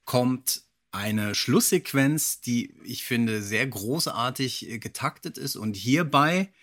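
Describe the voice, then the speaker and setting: A man's voice: mid-range voice, lively intonation, slow, a bit bright. A middle-aged man hosting a podcast in a casual, conversational style. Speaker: podcast host.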